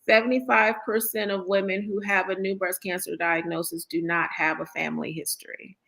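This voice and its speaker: A woman's voice: medium pitch, fairly even intonation, fairly quick, vocal fry, a bit bright, rough recording. A woman surgeon as a talk show guest, explaining earnestly and stressing her points.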